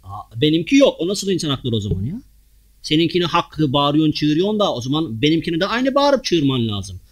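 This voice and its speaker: In a mosque, a man delivers a lively Friday sermon, firing rhetorical questions at the congregation. His voice sits a little high and he speaks fairly quickly.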